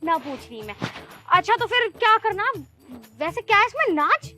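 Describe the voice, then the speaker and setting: A woman's voice: extremely high pitch, sing-song, moderate pace, bright, forceful tone, faint music behind, heavily acted. A woman playing a sly village wife. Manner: sly, mocking. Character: scheming, sharp-tongued village wife. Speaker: actor in comedy skit. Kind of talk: comedy skit acting.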